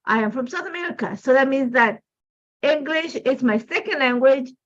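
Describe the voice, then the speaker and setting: Chatty Ecuadorian woman, slightly high voice. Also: normal speed, highs cut off. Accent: Ecuadorian Spanish. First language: Spanish. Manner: rambling and chatty, full of "like, you know" fillers. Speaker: design team member hosting a live crafting demo. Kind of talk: casual live-stream chat. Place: at home.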